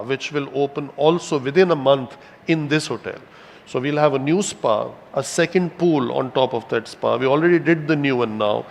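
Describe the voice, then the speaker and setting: A man giving a corporate investor presentation as a company executive, speaking in a measured, halting way with emphatic stretched words. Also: mid-range voice, slight background noise. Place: hotel event hall with audience present. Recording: reverberant hall sound.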